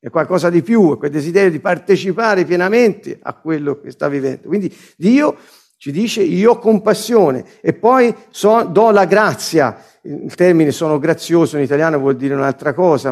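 A man's voice: a little high, a little mellow. A man preaching a sermon, explaining scripture line by line and restating its words as he goes.

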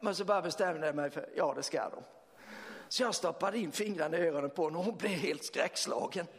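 Man, pastor, sermon storytelling, lively and chatty, higher voice, long church reverb. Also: gravelly. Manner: lively storytelling with fillers and laughs. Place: church hall.

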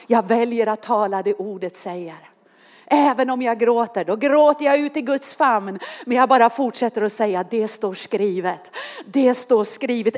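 A middle-aged woman preaching a passionate sermon, moving between soft, slow passages and loud, lifted ones, with a humorous aside. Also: a little high.

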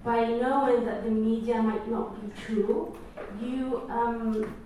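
A woman's voice: fairly high pitch, steady tone, takes it slowly, mellow, slight background noise. A woman from Tunisia speaking as a panelist, thoughtful and reflective. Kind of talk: panel discussion. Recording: echoey hall, distant mic.

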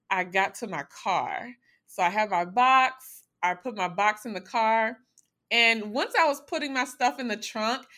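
A woman's voice: a little high, pushed and bright. A young woman telling a candid, self-deprecating story about her own life in a conversational way.

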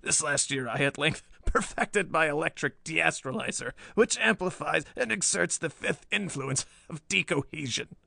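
A man's voice: on the high side, animated, moderate pace, vocal fry, hardly any pauses, pushed and bright, dry recording, clean studio sound, voice pushed up, exaggerated voice. A man voicing a sullen, sly old mad scientist, theatrical and snarling, in a pulp story reading. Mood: sullen, boastful. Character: crazed, sullen old male professor, villainous mad scientist.

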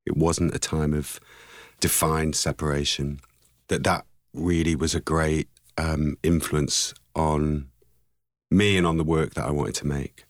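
A man in his forties with a very deep, low voice talks through his artistic past in an interview. He is reflective and searching, pausing and restarting as he finds his words. The sound is dry and close. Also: flat delivery, dry recording. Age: 40s. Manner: thoughtful, searching, with pauses and restarts. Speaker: artist guest.

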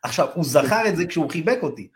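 With a slightly high voice, the Ethiopian-Israeli real estate advisor recounts a story casually for a podcast interview. Loose and animated, he uses slang, says "bro" to the listener, and voices the quoted lines loudly as if performing them.

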